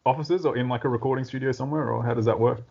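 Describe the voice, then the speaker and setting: A man hosting a podcast speaks quickly, asking casual questions and adding brief replies like "yeah" and "mm". His voice sits in a middle range, and the audio is dull and lo-fi. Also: mid-range voice, fairly even intonation, creaky, a little mellow, husky. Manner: quick, with frequent short backchannel replies. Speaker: podcast host.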